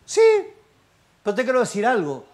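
An older man with a Chilean accent preaching a fervent sermon, swinging from quiet asides to shouted exclamations and firing rhetorical questions at the congregation. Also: sits high, sing-song, normal speed. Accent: Chilean Spanish. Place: church service.

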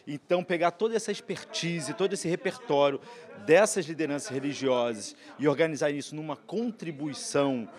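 A young man with a Brazilian Portuguese accent, a government adviser, speaking quickly and fluently into a handheld mic. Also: a little high. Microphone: handheld reporter mic.

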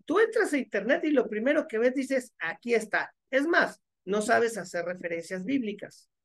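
A man's voice: extremely high pitch, animated, moderate pace, a bit bright. Mocking man, sarcastic commentary. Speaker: religion critic commentator. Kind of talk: commentary reading viewer comments.

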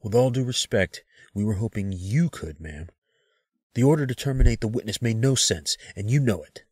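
Man playing a low, husky, terse secret agent. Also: lively intonation, moderate pace, a little mellow, no room sound. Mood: firm, defiant. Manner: terse, curt. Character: tough, blunt, protective male federal agent on the run. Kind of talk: audio drama acting.

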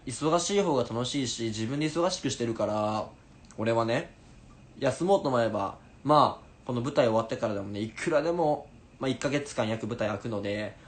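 A man in his twenties chatting casually on a livestream in an animated way, answering viewers as he goes. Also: mid-range voice, moderate pace. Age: 20s. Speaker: stage actor livestreaming to fans. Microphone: phone at arm's length. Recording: noisy room ambience, phone livestream.

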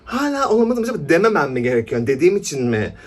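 A man's voice: on the high side, sing-song, rapid-fire. A young man chatting casually to the camera in an office for his vlog, laughing often. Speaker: vlogger. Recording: noisy background.

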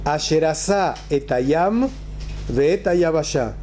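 A man's voice: fairly high pitch, slow pace, mellow, slight background noise. A man, a rabbi teaching a religious text in a conversational way, with rhetorical questions and emphatic repetition. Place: small classroom, indoors.

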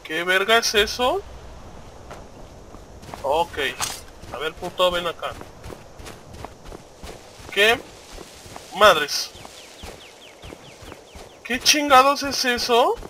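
A man with a Mexican accent giving excited gameplay commentary, cursing constantly and shouting out at what happens in the game. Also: high-pitched, drawn-out words, pauses often, slight background noise. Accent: Mexican Spanish. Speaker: gaming video host.

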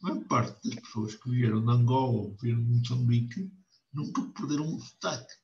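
A middle-aged man hosting a relaxed interview from his home office, talking animatedly close to his webcam. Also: medium pitch, fairly quick. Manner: animated, leans close to the camera. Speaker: interview host. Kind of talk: casual interview chat. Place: home office with wooden door. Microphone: webcam on a video call. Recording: roomy, dull video call audio.

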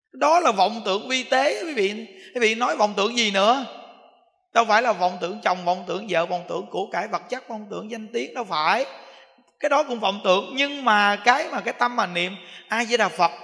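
In an echoey hall, a man with a high voice speaks as a Buddhist monk giving a dharma talk in a southern Vietnamese accent. He is animated and repetitive, acting out everyday examples.

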